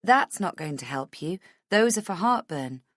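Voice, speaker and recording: A woman's voice: on the low side, lively intonation, moderate pace, fairly bright tone, dry recording, clean studio sound. A woman voicing an insistent, defensive female podcaster who argues and pleads, in audiobook dialogue. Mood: earnest, insistent. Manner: pleading, argumentative.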